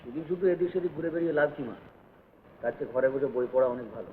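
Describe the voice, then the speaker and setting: An actor playing a witty, sulky young son who grumbles and teases, in 1950s film acting on a tinny old soundtrack with hiss. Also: male voice, medium pitch, fast talker, natural voice. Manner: grumbling mutters, playful retorts.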